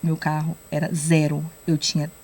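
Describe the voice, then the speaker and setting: A young adult woman telling a personal faith testimony on a podcast, lively and acting out the lines she quotes. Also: deep voice, normal speed. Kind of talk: casual testimony storytelling.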